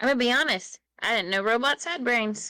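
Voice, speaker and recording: A woman's put-on character voice, high-pitched with ordinary pitch variation, at a fairly quick pace, in a dry, close sound with no echo. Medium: actual play.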